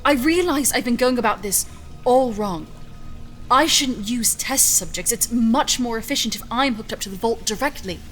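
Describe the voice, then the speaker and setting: An actress playing a stubborn, confident scientist in an audio drama, speaking in an assured, articulate, insistent way. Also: female voice, fairly high pitch, expressive, normal speed, fairly bright tone, faint music behind. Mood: excited, persuasive. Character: driven, stubborn female scientist, defiant and confident. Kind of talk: audio fiction acting.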